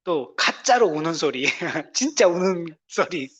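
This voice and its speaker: A pastor preaching a conversational sermon, often asking the congregation "right?" and laughing lightly, moving between loud emphatic lines and soft low asides. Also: big pitch swings, takes it slowly, slightly rough.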